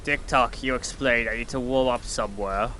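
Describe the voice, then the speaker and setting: Sardonic male adventurer for fantasy audio play, played by a man; mid-range, tense bright tone, everyday blunt delivery. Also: medium pitch, steady tone, normal speed, slight background noise, close to an everyday voice, rough recording. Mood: relieved, curious. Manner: sarcastic, blunt. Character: sardonic, exasperated, easily startled male adventurer hero. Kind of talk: audio drama acting.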